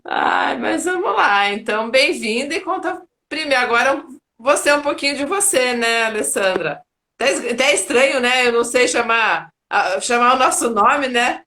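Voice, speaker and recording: A woman's voice: on the high side, animated, normal speed, pushed and bright. A Brazilian woman hosting a casual live sports chat, chatty and playful, laughing easily. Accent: Brazilian Portuguese. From Brazil, raised in Paraná.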